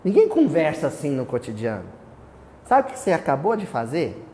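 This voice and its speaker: A man's voice: a little high, wildly swooping pitch, brisk, darkish tone. A man with a Brazilian accent teaching a small study group. He keeps asking the group questions, answers them himself, and declaims the verses he quotes. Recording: reverberant hall with faint hiss.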